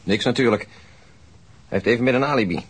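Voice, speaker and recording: An actor playing a blunt, skeptical police detective in a crime radio drama, reporting matter-of-factly. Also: male voice, mid-range voice, moderate pace, husky, natural voice. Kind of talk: audio crime drama acting.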